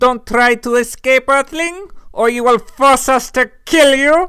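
In a put-on character voice with a German accent, the speaker talks at a high pitch and a fairly slow pace. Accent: fake German. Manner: menacing, shouting.

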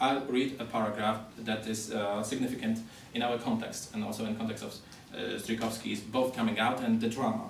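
A man with a Polish accent speaks at a moderate pace in a monotone, flat intonation. Light background noise and audible room echo are present. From Poland. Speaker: literature professor. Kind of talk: lecture. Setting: lecture hall with audience. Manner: halting. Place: classroom. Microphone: camera far.

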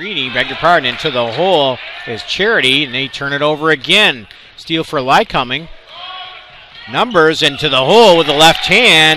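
A man's fairly high-pitched voice with lively intonation at a moderate pace, in a dry sound with no echo and noticeable background noise. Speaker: basketball play-by-play announcer. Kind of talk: live basketball commentary over game highlights. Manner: clipped, energetic, rising on big shots. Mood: celebratory at game end. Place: stadium. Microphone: headset.

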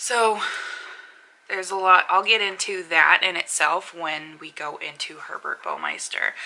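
Fairly even intonation from a woman at a moderate pace. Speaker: true crime vlogger. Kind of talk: casual vlog chat. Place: home room. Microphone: webcam.

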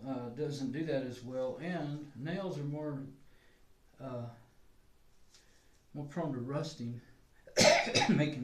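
There is noticeable background noise here. Through it, a man talks. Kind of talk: casual tutorial narration. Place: bathroom. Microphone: phone near.

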